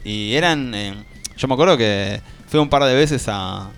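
A man's voice: mid-range voice, expressive, unhurried, soft background music. A man in his forties with an Argentine accent, chatting casually on a radio show in a rambling way, full of fillers and restarts. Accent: Argentine Spanish. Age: 40s. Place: radio studio. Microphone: studio microphone.

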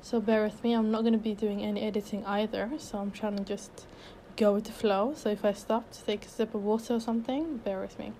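Chatty young woman with a flat, mellow voice. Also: mid-range voice, a little hiss or hum. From Sweden. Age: 20s. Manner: chatty, upbeat, loose with many fillers and restarts. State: a bit out of breath. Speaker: podcast host and life coach. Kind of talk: casual unedited solo podcast.

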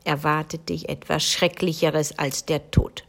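A menacing woman in black from a storybook gives orders and threats in a cold, commanding tone, voiced by a woman reading aloud. She sounds stern and unyielding, with no warmth in her voice. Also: low voice, level tone, unhurried, gravelly, voice pushed down, full character voice.

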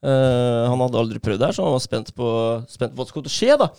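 A man retelling a story in casual podcast chat, lively and full of fillers and laughs. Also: medium pitch, creaky, clear, resonant tone, no echo, clean studio sound. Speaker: podcast co-host.

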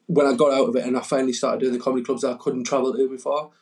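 Comic guy rambling through gig stories, husky voice, lots of "like". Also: mid-range voice, level tone, rapid-fire, darkish tone. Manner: rambling, fillers, laughs at own stories. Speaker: stand-up comedian guest. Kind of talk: casual storytelling chat.

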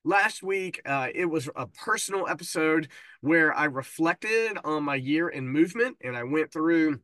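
A man's voice: fairly high pitch, lively intonation, a little slow, sharp tone, no room sound. A man hosting his own podcast in casual solo talk, his voice stuffed up from a cold and tripping over words now and then. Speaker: podcast host.

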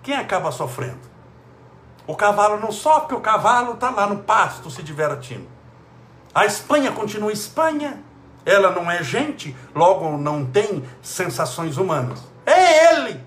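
A man's voice: high-pitched, very animated, normal speed, a bit bright, reverberant, a little hiss or hum. A man giving a spiritual talk, asking his listeners rhetorical questions and acting out the voices of people he quotes. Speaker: spiritual speaker.

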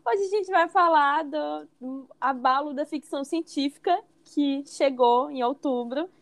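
A woman's voice: sits high, measured pace. A young woman hosting a casual podcast. She laughs easily and sums up plots in a chatty way. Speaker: podcast host.

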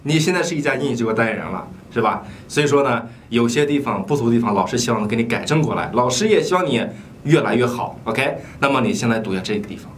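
A man plays an English teacher in a comedy sketch, lecturing his pupil with a very lively, swinging pitch. He drags out English words slowly to correct pronunciation. A faint hiss sits under the voice. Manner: lecturing tone, addresses the student directly.

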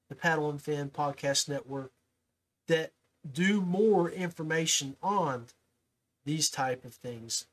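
Man, podcast host, folksy, slightly high-pitched. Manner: folksy, repeats words when starting sentences. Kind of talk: casual podcast interview. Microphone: call audio with his own mic.

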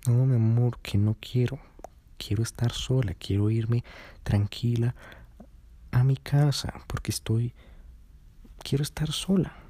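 A man voicing a drunk young woman on the phone, slurring and sweet-talking her partner to calm him down. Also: mid-range voice, measured pace, pauses often, no room sound, natural voice. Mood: placating.

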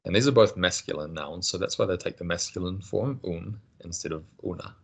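Deep gravelly male language teacher. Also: a bit bright. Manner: patient, encouraging, explains slowly. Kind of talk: casual language lesson.

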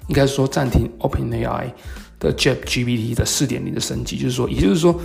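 A man with a Taiwanese Mandarin accent and a gravelly voice hosts a solo podcast talk, explaining things in a halting way with hesitant pauses. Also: medium pitch, a little mellow, faint music behind. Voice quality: gravelly, creaky. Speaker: podcast host. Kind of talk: solo talk explaining tech and market topics.

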